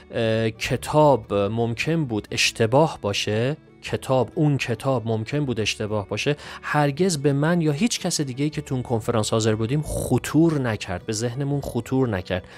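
A man's voice: mid-range voice, a little mellow. Methodical Persian-speaking male English teacher. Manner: methodical, reads English examples slowly and clearly. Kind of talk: exam answer walkthrough.

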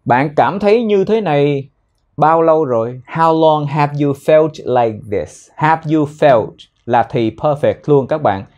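A young man teaching spoken English in a casual way, explaining phrases and repeating words slowly so learners can copy them. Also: on the high side, lively intonation, darkish tone, highs cut off.

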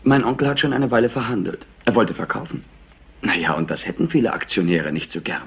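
An actor playing a clever, flippant and somewhat highly strung nephew in a crime drama, mocking and impatient. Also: male voice, animated, brisk, gravelly, husky, heavily acted. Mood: explaining. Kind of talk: dubbed TV crime drama acting.

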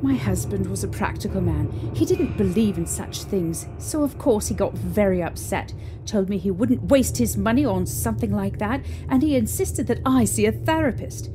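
A woman playing a frightened young mother in an audio drama, recounting a haunting with halting, emotional delivery. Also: medium pitch, expressive, lightly acted, rough recording. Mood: fearful. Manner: halting, emotional storytelling with trembling pauses. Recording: eerie music behind.

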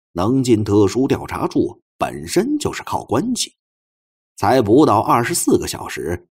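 A male audiobook narrator with a husky, low voice reads fiction in a dramatic style. His pitch swings widely as he tells the story in measured, expressive phrases. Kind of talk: dramatic scripted novel narration.

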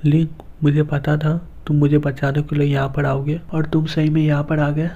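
A man voicing a frightened, timid young woman, read in a flat, even way without changing his voice. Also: fairly high pitch, moderate pace, vocal fry. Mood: relieved, timid. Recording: dull lo-fi recording.

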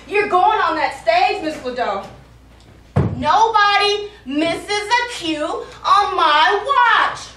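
A woman's voice: very high voice, roomy sound, recorded from a distance, noisy background, exaggerated voice. A woman on stage playing a bossy, exasperated, foul-mouthed theatre stage manager, brash and emphatic. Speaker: stage actor. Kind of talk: live stage comedy acting. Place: small indoor theatre stage. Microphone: far camera.

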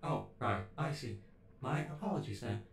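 A courteous robot butler, played by a man talks in a lowish, creaky voice with servile formality. It is an ASMR roleplay with a clear echo and music behind it. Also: lively intonation, normal speed. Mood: deferential, miffed. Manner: deferential, formal. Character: polite, servile male robot butler with hurt feelings. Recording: echoey, with background music.

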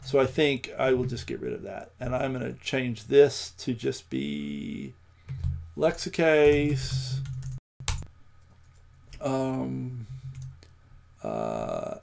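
A man with a gravelly, creaky voice talks slowly through live code. He thinks aloud, breaks off into ums and picks his words as he goes. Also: mid-range voice, very animated, slight background noise. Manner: thinking aloud, many ums, slow halting speech. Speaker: programming livestream host. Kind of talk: live coding with commentary.

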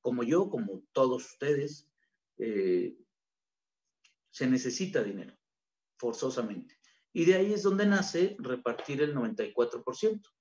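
Animated Mexican man giving a talk. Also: mid-range voice, measured pace, long pauses. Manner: colloquial, animated, acts out quoted voices. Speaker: conference speaker, gastronomy researcher. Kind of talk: informal conference talk. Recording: dull lo-fi recording.

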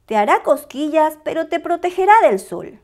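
Woman voicing a kind, high-pitched little duckling. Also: big pitch swings, moderate pace, darkish tone. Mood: kind, generous. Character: kind, generous little duckling, eager to help friends.

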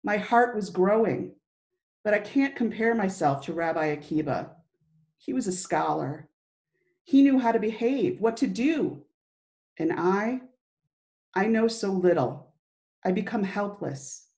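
Slow, emotive middle-aged woman reading. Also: medium pitch, animated, darkish tone. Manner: halting, emotive, short phrases. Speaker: volunteer diary reader. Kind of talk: dramatic reading of a diary. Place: indoor room, plain wall.

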